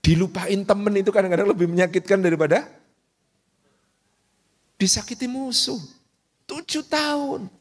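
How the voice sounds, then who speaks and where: A man giving a sermon in a lively, humorous storytelling manner. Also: sits high, moderate pace, pauses often. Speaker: preacher.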